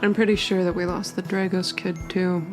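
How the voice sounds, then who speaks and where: Tabletop game role: down-on-his-luck male gumshoe, low, hushed, halting, defensive female performer. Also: flat delivery, faint music behind, natural voice. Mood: weary. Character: down-on-his-luck male private investigator, evasive, pleading.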